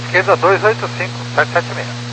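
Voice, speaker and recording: Pilot man on hissing cockpit radio. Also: high voice. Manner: brisk, terse readbacks. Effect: pilot heard over cockpit radio headset. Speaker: airline pilot. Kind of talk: radio readbacks to air traffic control. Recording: loud static radio transmission.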